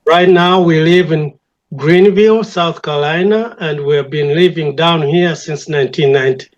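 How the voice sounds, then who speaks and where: An older man with a Ugandan accent, a church elder speaking reflectively and deliberately as an interview guest, repeating phrases for emphasis. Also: on the high side, lo-fi sound. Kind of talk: reflective conversation.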